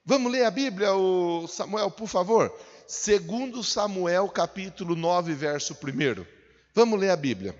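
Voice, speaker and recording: High-voiced preacher in an echoing hall. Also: male voice, lively intonation, unhurried. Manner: preacher building to loud emphatic declarations, repeating refrains. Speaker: pastor. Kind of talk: sermon. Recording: dull lo-fi sound with long hall reverb.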